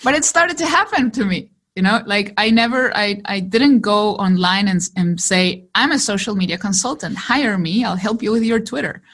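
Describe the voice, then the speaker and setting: A woman from Chile whose first language is Spanish, a digital marketer telling her story in a lively interview and laughing often. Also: mid-range voice, moderate pace, few pauses. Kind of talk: conversational interview.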